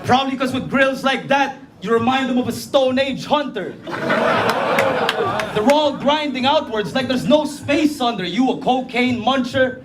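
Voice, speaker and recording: A man from the Philippines performing battle rap, hurling rhymed insults and sometimes shouting them. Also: extremely high pitch, expressive, normal speed, crowd noise. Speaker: battle rapper. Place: live battle venue. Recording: echoey room, noisy live audio.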